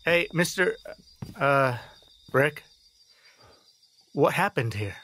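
A man's voice: on the high side, lively intonation, slow, sharp tone, exaggerated voice. An actor playing a protective, exasperated middle-aged father in an audio drama, stammering and repeating himself. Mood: gentle, awkward. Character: flustered, protective, exasperated father of a teenage girl. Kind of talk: naturalistic audio drama acting.

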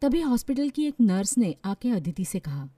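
A woman narrating a scripted dramatic story in a measured, expressive storytelling manner. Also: fairly high pitch, no echo. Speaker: storyteller, voice artist.

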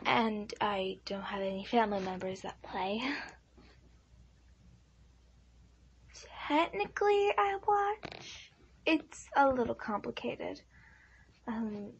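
A woman's voice: medium pitch, creaky, breathy edge, voice pushed up, heavily acted, poor audio. A woman voicing a shy, insecure teenage schoolgirl in an improvised ASMR roleplay, hesitant and apologetic. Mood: shy, nervous.

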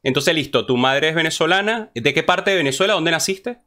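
A young man hosting a casual interview over a video call, asking brisk questions and answering with friendly "claro" and "muy bien.". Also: a little high, lively intonation, pushed and bright. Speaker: interview host. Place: home streaming room. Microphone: headset on video call.

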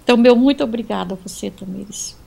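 This woman speaks with a somewhat high, gravelly voice that carries a lot of vocal fry. She owns an atelier and is giving a heartfelt, earnest thank-you speech as a guest indoors, with religious phrases woven through it. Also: fast, warm tone.

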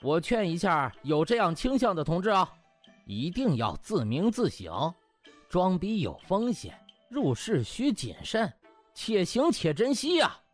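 A cocky young male doctor, voiced by a male narrator, in a comic audiobook. He speaks high and swooping, with sarcastic mock deference and singsong needling, over faint music. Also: very animated, unhurried, exaggerated voice. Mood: mock earnest.

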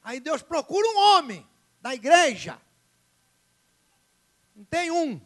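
A male pastor, preaching a sermon in an animated, dramatic way and acting out the story's characters. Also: very high voice, slow.

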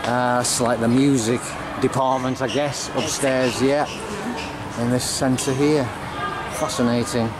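A man making a casual vlog as he walks through a school, talking slowly with many pauses and uhs. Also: mid-range voice, echoey room, background noise. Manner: slow, chatty, says uh often. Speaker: vlogger filming a school visit. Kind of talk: casual walking commentary.

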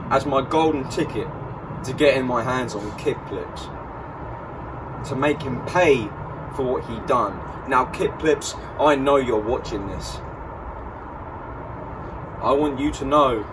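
A young man cuts a menacing wrestling promo in a garden. His delivery is deliberate. The mic is at some distance and there is clear outdoor noise around him. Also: mid-range voice. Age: young adult. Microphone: camera a few metres away.

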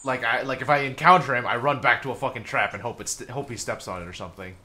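Bright-voiced young man joking through a game. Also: medium pitch, fast talker. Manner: joking, swearing, loud outbursts. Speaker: gaming YouTuber. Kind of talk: let's play commentary.

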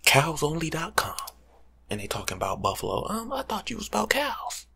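Husky, half-whispering young American man. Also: a little high, fairly quick. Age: young adult. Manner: slangy, teasing lecturing, animated. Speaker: ASMR creator playing a life coach. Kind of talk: soft-spoken ASMR, casual advice monologue. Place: small home room, seated indoors.

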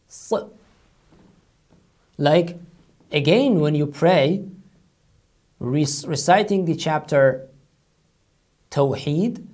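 A man teaching a recorded online language lesson, patient and explanatory, who slowly repeats each sound several times to demonstrate it. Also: a little high, a little mellow.

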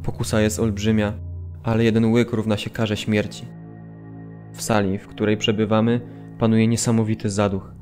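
An actor voicing a male prisoner recounting wartime memories in a radio drama, grave and measured. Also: lowish voice, little pitch movement, darkish tone, soft background music, natural voice. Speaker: narrator reading a prisoner's account. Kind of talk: scripted radio drama narration.

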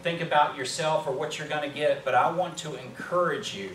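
A man in his fifties with an American accent preaches a sermon earnestly, with emphatic pauses and repetition. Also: on the high side, a bit bright. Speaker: pastor. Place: small church sanctuary, indoors. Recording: roomy, distant mic with background hum.

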